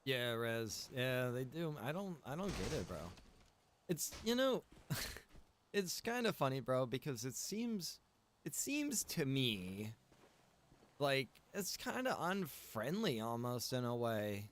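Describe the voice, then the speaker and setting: A man's voice: mid-range voice, sing-song, takes it slowly. A man past his early twenties chats casually on a gaming livestream, rambling informally and circling back over his phrases. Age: adult, past early twenties. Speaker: game streamer and server owner.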